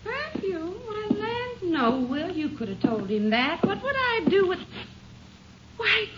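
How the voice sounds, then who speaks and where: An actress playing a fussy, plain-spoken older country wife with a husky voice and folksy manner in a 1950s radio western. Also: female voice, very high voice, big pitch swings, slow, noisy background, full character voice. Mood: fussy, surprised. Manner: folksy, exclamatory. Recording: muffled old 1950s radio recording.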